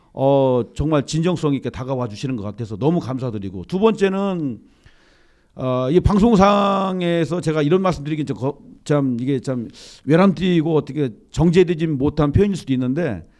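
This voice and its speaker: Against a quiet background, a man with an unremarkable speaking voice talks at a fairly high pitch and moderate pace with lively intonation. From Korea, Jeolla/Chungcheong (Iksan, Nonsan). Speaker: politician. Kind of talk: interview.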